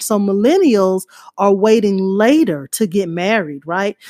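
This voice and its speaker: A woman with a Southern US accent, recorded with a dry, close sound and no echo. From Louisiana. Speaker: podcast co-host. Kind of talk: casual chat.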